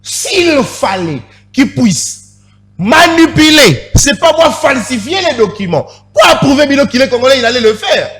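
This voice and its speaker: A man's voice: very high-pitched, very animated, normal speed, a bit bright. A man in a heated TV studio debate, pressing his point and repeatedly asking for the floor. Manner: insistent, repeats pleas for the floor, mixes French and Lingala. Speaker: panelist.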